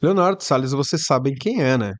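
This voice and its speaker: A man's voice: medium pitch, fairly quick. A man hosting a reaction video, commenting casually and sarcastically on a sermon. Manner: sarcastic, chatty asides. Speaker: YouTube reaction host.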